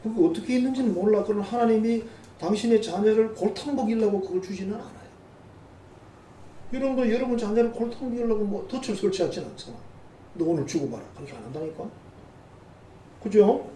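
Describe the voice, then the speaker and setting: A man's voice: high voice, fairly quick, mellow, slight background noise. A middle-aged man preaching a sermon as a pastor, in a conversational way with teasing asides to the congregation. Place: church sanctuary. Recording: roomy church sound from a distant mic.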